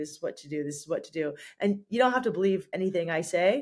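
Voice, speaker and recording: With an American accent, a woman is talking. She speaks very fast. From US West Coast, San Diego. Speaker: author and adventure journalist. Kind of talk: interview conversation.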